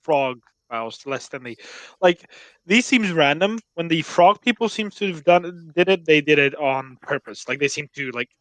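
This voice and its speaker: A man's voice: on the high side, lively intonation, normal speed, fairly bright tone, dry recording, low-quality recording. A man running a tabletop game as game master, narrating casually and talking with the players.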